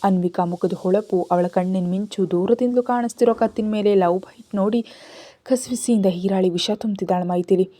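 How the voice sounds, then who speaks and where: A woman narrates a romance story in a mellow, warm voice. The recording is close and dry, with no room sound. She reads the characters' lines in her own narrating voice. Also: medium pitch, a little fast, no room sound.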